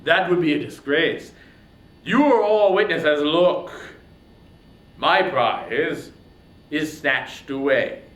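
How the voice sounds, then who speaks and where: A man acts out a proud, wrathful king of ancient epic. He declaims slowly and haughtily, his pitch swinging widely as he drops to a hush and rises to thunder, in an echoing room. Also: expressive. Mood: aggrieved. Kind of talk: dramatic reading of epic poetry.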